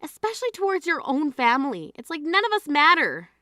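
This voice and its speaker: A woman voicing an indignant young sister in mourning, scolding with a high, bright, forceful voice. The sound is dry and close, with no room around it. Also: very animated, fairly quick, no room sound, heavily acted. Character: exasperated grieving sister at funeral. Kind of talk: scripted drama dialogue.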